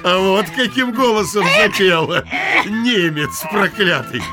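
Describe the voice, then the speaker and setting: A man playing a pious, wary young village blacksmith with a deliberate, theatrical delivery in an audio drama. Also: sits high, lively intonation. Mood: triumphant, stern. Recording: music behind the voice.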